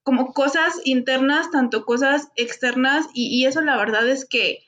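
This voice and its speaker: Woman with a high voice, kinda muffled lo-fi audio, easygoing chat. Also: normal speed. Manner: relaxed, fillers. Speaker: podcast guest. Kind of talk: casual chat. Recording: dull lo-fi audio.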